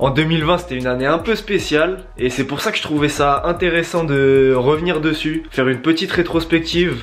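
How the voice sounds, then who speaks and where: An animated voice at a moderate pace, with ordinary pitch variation, comes through over noticeable background noise. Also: man. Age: 20s. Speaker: skateboarder youtuber. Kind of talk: casual Q&A vlog. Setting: bedroom. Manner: animated, casual.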